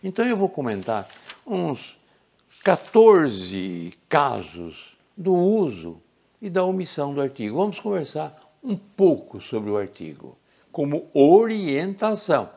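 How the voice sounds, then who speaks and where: Older man, grammar lecture, gravelly voice, animated pitch, emphatic and didactic. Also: highs cut off. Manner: didactic, deliberate, with emphatic rises on key words. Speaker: Portuguese grammar teacher. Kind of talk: recorded lecture.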